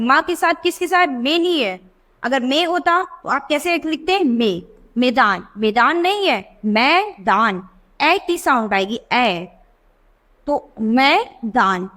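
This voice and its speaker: A woman teaching young children a reading lesson. She asks questions and answers them herself, and she stretches out words slowly to show the sounds. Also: sits high, a bit bright.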